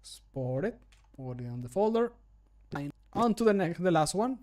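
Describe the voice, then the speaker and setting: A man's voice: sits high, very animated, moderate pace, a little mellow. A man in his thirties chatting casually on a livestream while he works, muttering and poking fun at himself. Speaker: streamer and amateur voice actor. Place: small home room, indoors.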